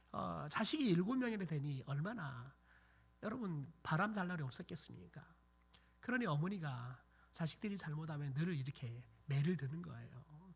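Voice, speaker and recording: Korean pastor, husky voice, whispered asides. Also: male voice, on the high side. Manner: folksy storytelling, acting out scolding relatives, dropping to whispers. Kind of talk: sermon. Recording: church sanctuary.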